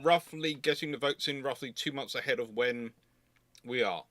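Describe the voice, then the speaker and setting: A man hosting a casual live question-and-answer session, talking in a halting way and interrupting himself as he goes. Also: mid-range voice, fairly bright tone, no echo.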